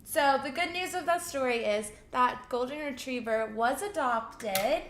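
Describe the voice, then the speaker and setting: A woman's voice: high voice, a little slow, fairly bright tone. A woman co-hosting a casual live morning show, telling a news story in a chatty way. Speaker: co-host. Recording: echoey room with faint noise.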